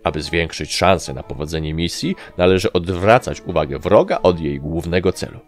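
A man's voice: low-pitched, moderate pace, faint music behind. A man voicing a small, cheeky male gnome soldier who reports eagerly to his captain. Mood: quick excuses. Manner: bright, eager military reporting.

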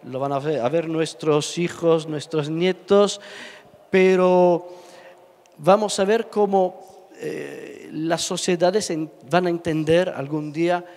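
A middle-aged Sicilian man whose first language is Italian, speaking with an Italian accent on a stage panel into a handheld mic. He talks with passion and emphasis, halting on fillers and repeated words. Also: on the high side, fairly even intonation, darkish tone. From Sicily, Italy. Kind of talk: public panel talk. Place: large indoor hall, panel on stage. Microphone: handheld microphone. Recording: reverberant hall.

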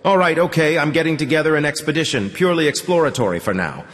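Casting note: urgent, impassioned young man, read by a male narrator, lively swings in pitch, long hall echo. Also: fast. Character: weary young man pleading to leave the tunnels.

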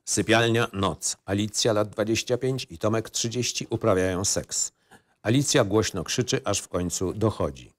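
A man with a fairly low voice narrates a screenplay. He reads scene headings and stage directions as scripted narration. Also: normal speed.

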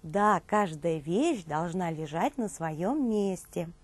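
Woman, children's presenter, expressive storytelling, unhurried pace, very lively intonation. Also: fairly low pitch, slightly rough. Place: indoor TV studio dressed as a nursery.

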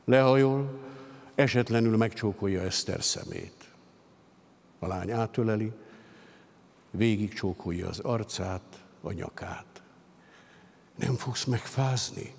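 A man reading literary prose aloud on stage, with steady, expressive storytelling. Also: fairly low pitch, gravelly, pauses often. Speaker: reader. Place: concert hall stage at a literary gala. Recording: long hall reverb.

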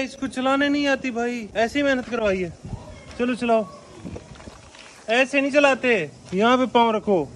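A man's voice: high-pitched, fairly bright tone. A man vlogging casually outdoors, playfully teasing and coaxing children as he chats to the camera. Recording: noisy outdoor camera audio.

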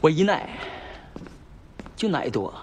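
An actor playing a scheming company boss, evasive and conspiratorial in film dialogue. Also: male voice, on the high side, sing-song, slow pace. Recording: noisy room ambience.

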